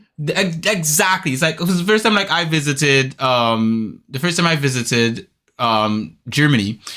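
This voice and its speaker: A man with a Jamaican accent speaks at a moderate pace, his fairly high voice bright and sharp, with lively intonation. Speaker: anime podcast co-host. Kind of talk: casual chat. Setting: live stream.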